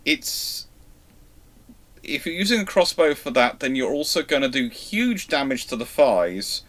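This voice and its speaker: A man hosting a live naval history question show, talking in an animated way with quick asides and dry jokes. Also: medium pitch. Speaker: naval history channel host. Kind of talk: live Q&A chat.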